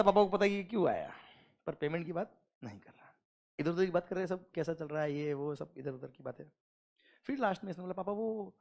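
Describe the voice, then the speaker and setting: High, lively man teaching. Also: gravelly. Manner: animated storytelling, acts out dialogue, asks students questions. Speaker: GST lecturer. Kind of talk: classroom lecture with acted anecdote. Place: classroom.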